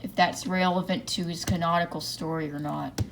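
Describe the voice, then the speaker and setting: A woman with a hoarse voice, filming and chiming in with offhand, teasing asides. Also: on the low side, steady tone, normal speed, a little hiss or hum. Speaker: camera operator and co-host. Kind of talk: casual chat.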